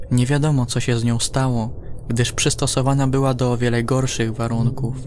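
A male narrator reads a science-fiction horror story at a very slow pace. His mid-range voice is measured, with dramatic pauses, over an ambient noise bed. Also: medium pitch, a little mellow. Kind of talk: scripted horror sci-fi audio drama narration.

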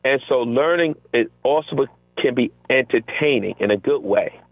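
A middle-aged man talks as a teacher guest on a call-in interview, lively and acting out the voices of his students and himself. His voice comes through a narrow, tinny phone line. There is no room echo at all. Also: medium pitch, normal speed. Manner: energetic, acts out quotes from classroom exchanges. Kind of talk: conversational interview.

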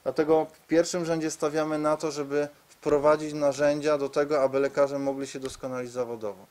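A man gives a formal, measured presentation at a press conference, pausing hesitantly. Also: fairly high pitch, flat delivery, a little mellow. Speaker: medical reform spokesman. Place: conference room, seated at a table before a screen. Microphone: press microphones on the table.

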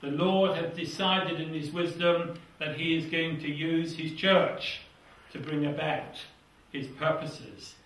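Older british guy preaching, earnest and fervent, highish voice, really echoey hall, a bit far off. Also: fairly even intonation, takes it slowly, few pauses, slight background noise. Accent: British English. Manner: earnest, fervent, drops voice to a hush at phrase ends. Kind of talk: sermon with scripture reading. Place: small church hall with seated congregation. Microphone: lapel mic.

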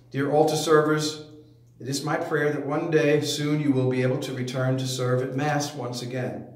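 Older priest in a very echoey room. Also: male voice, mid-range voice. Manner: gentle, unhurried, with frequent ums and uhs. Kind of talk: parish announcement and letter reading. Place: small indoor chapel space before a brick wall.

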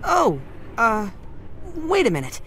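A man voicing a timid, earnest, excitable little furry creature in a cartoon video game, stammering and gushing. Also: very high-pitched, slow pace, a little hiss or hum, full character voice. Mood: nervous, hesitant. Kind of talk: animated video game character acting.

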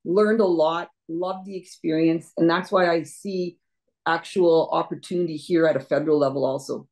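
A woman's voice: low voice, steady tone, moderate pace, a little mellow. A middle-aged woman, a deputy mayor running for office, answering earnestly over a video call from her home, often repeating words. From Canada. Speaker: deputy mayor, election candidate. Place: home room indoors. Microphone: laptop webcam on video call.

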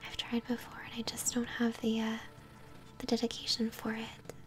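A young woman whispers her way through a video game in a soft, breathy ASMR style. Her voice sits a little high and is gentle and chatty, close to the mic. Faint music plays behind her. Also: completely flat delivery. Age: young adult. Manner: gentle, chatty, unhurried narration of play. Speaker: game streamer, host. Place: small home room, indoors.

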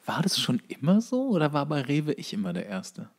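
A man's voice: on the high side, wildly swooping pitch, a little fast. A man co-hosting a podcast in casual comedic banter, with playful, tongue-in-cheek asides. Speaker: podcast co-host.

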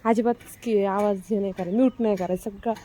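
Holding her phone on a house rooftop in the rain, a mother and vlogger chats casually, exclaiming and teasingly scolding her son. Her mid-range voice is steady, fast and warm, with slight background noise.

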